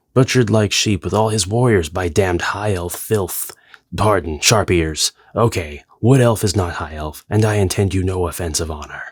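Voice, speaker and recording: A man puts on a gruff character voice with a very deep, low pitch at a moderate pace. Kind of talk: archaic.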